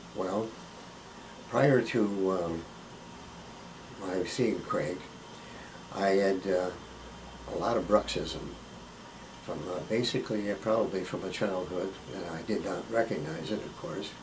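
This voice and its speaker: Fairly slow, fairly even speech from a man, broken by long, frequent pauses, with noticeable background noise and audible room echo. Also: fairly low pitch for a man. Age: 80s+. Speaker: dental patient. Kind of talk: interview testimony. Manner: hesitant with frequent fillers.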